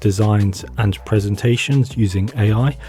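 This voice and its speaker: A man's fairly low, somewhat breathy voice with a dark, mellow tone and ordinary pitch variation. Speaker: software tutorial creator. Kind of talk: tutorial.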